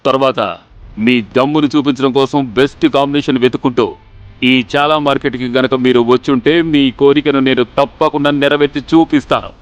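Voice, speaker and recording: A man's voice: medium pitch, little pitch movement, brisk, clear, resonant tone, muffled recording, close to an everyday voice. A man dubbing a film hero who defiantly taunts the police in a sarcastic, mocking manner. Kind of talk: dubbed film dialogue.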